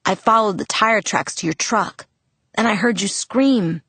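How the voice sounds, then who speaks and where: A woman's voice: medium pitch, unhurried, fairly bright tone, breathy edge, no echo. A woman reading the part of a protective teenage boy who talks bluntly and scolds with worry. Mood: scolding.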